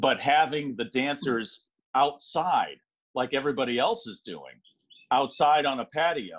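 A man's fairly high-pitched voice with vocal fry, lively intonation, big swings in loudness and a fairly slow pace. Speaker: podcast host. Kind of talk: casual chat.

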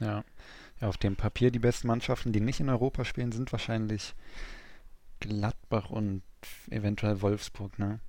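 On a very clean recording with a silent background, a man speaks at a fairly low pitch in a dark, mellow tone. His intonation is fairly even, his pace moderate, and his pauses long and frequent. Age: 20s. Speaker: podcast co-host. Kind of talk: casual chat.

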